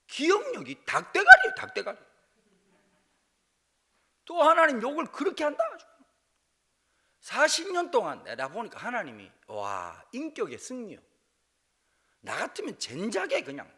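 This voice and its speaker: A male pastor from Busan, preaching a revival sermon in a church with humor, moving between quiet asides and loud exclamations. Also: high-pitched, breathy edge. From Busan, South Korea. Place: church sanctuary.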